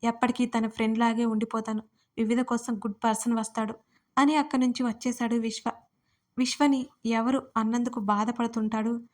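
A woman reads a romantic audio story aloud, steady and measured. Her voice sits fairly high and barely moves in pitch, giving a flat, even delivery. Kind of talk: scripted story narration.

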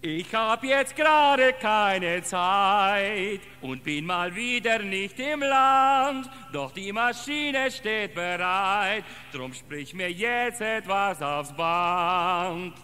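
A man's voice: high voice, lively intonation, very slow, hardly any pauses, sharp tone, smooth. A man delivering a rhymed answering machine message, recorded on cassette. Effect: answering machine greeting. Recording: reverberant cassette recording with music.

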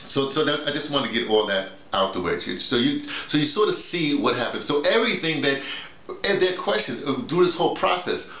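Speaking briskly in a fairly high voice, an older theater director and workshop leader with an American accent rambles through an informal explanation. He digresses freely and acts out things people said, including his own remarks, as he tells his stories. He's indoors in a small bedroom, and the recording has echo and faint noise.

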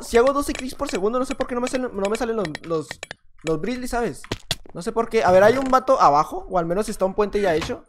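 Excitable Mexican gamer repeating himself. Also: male voice, high voice, a little hiss or hum. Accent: Mexican Spanish. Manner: excitable, repeats short phrases over and over, talks to himself. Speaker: gaming youtuber. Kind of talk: live gameplay commentary.

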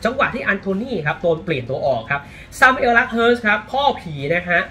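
Animated Thai man talking football. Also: sits high, quick pace. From Thailand. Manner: animated, exclaims often. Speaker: football commentator. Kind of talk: casual football commentary.

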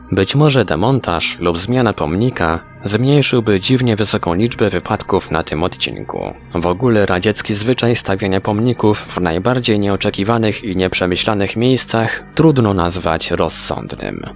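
A man's voice: lowish voice, vocal fry. A man reading a scripted article as a documentary narrator. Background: background music.

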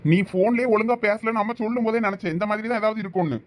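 A man playing a brisk, scolding young villager. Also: high voice, close to an everyday voice. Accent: Thoothukudi Tamil. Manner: brisk, teasing, lecturing.

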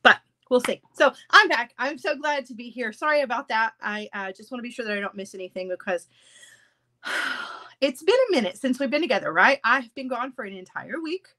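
A woman's voice: on the high side, fairly quick. A woman in her thirties with a stuffy, congested voice, chatting casually with viewers from her home craft room. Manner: chatty, animated, gestures with hands. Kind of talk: casual live chat with viewers.

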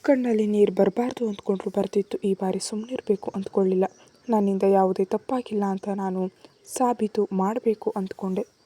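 A woman narrates a love story in the first person, earnest and emotional. Her voice is dark and mellow with a husky, breathy edge. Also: medium pitch, fairly even intonation, a little fast.

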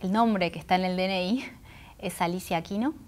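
A woman in her thirties with a Buenos Aires Argentine accent and Guaraní as her first language, reflecting thoughtfully in an interview, pausing between phrases, on a lapel mic. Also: on the low side, darkish tone. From Argentina, Buenos Aires area. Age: 30s. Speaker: interview guest, singer and poet. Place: indoor auditorium stage. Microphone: clip-on lapel microphone.

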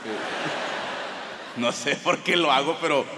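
A Mexican man with a Mexican Spanish accent, doing profane, animated stand-up storytelling on a live comedy stage. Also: fairly high pitch, takes it slowly. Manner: profane, animated, bursts into shouted punchlines. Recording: live hall reverb with audience noise.

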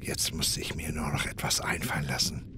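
An actor playing a grieving father turned kidnapper, speaking in hushed, menacing whispers in a radio drama. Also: rumbling low, fairly even intonation, brisk, background noise. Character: vengeful middle-aged father, unhinged kidnapper. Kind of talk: audio drama acting.

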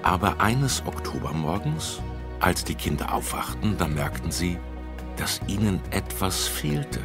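A man narrating a children's audiobook in a lively storytelling manner. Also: low voice, measured pace, music in the background.

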